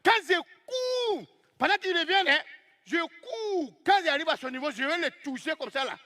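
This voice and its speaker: A man telling a comic story on stage as a stand-up comedian, lively and exclaiming as he acts out the scenes. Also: extremely high pitch, moderate pace.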